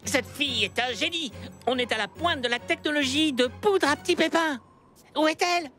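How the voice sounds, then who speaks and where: A woman voicing an excitable, bossy female townsperson in a dramatic, emphatic way for a French cartoon dub. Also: high-pitched, moderate pace, faint music behind. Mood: thrilled. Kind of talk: French animated series dub.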